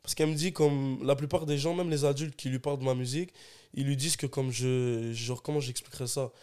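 A man's voice: mid-range voice, steady tone, a little fast, warm tone, clean tone. A young man, a rapper guest telling stories in casual, slangy podcast chat. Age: young adult. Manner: laid-back, slangy storytelling.

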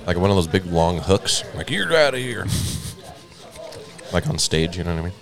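A man's voice: deep voice, flat delivery, a little slow, faint music behind. A man casually chatting and joking while eating a burger at a restaurant. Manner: joking, playful. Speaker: co-host of a food review show.

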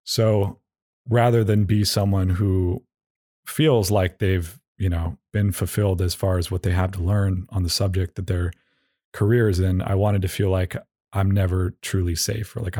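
Low-voiced man rambling on a solo podcast. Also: mellow, no echo, studio quality. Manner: halting, repeats and trips over phrases, self-deprecating. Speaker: podcast host.

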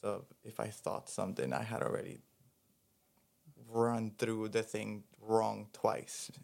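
Man in his 30s, from Venezuela, gravelly low voice, thoughtful unhurried talk. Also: flat delivery, a little mellow. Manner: thoughtful, unhurried, with pauses and fillers. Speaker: podcast guest. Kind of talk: casual chat.

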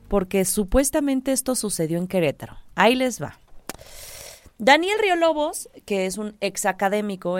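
A woman co-hosting a podcast in casual chat, playful and giggly, repeating catchphrases. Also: medium pitch. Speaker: podcast co-host.

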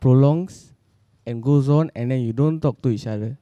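Singaporean man with a very mellow, dark voice. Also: mid-range voice, moderate pace, dry recording, lo-fi sound. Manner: colloquial Singlish with sentence-final particles. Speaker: podcast panellist. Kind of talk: casual podcast discussion.

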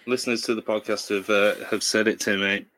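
A man with a very low, smooth voice, joking dryly and swearing in casual podcast chat. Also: level tone, a little fast, pushed and bright, rough recording. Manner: dry, sweary humor.

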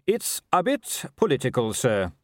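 A man's voice: medium pitch, wildly swooping pitch, measured pace, no echo, studio quality. A man playing an earnest, honest police captain in an audiobook, polite and deferential to a superior. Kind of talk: audiobook character voice.

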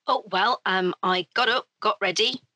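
A woman playing a tabletop role-playing game, chatting briskly about her character and speaking as him. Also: mid-range voice, sharp tone, no room sound, poor audio. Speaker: player.

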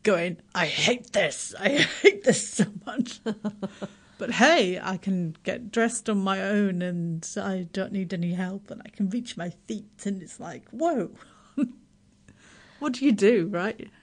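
A woman's voice: medium pitch, expressive. A middle-aged woman from Yorkshire speaks with a Yorkshire accent. She talks as a guest on a radio show, laughing often and poking fun at herself. Her sentences start over and stumble along in a chatty way. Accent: Yorkshire English. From Yorkshire, England. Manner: self-deprecating, laughs often, halting restarts. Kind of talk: casual radio interview.

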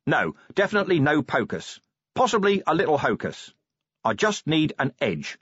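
Man playing a husky, blunt police commander. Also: a little high, wildly swooping pitch, normal speed, a bit bright, dry recording, dull audio, voice pushed up, exaggerated voice. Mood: urgent, terse.

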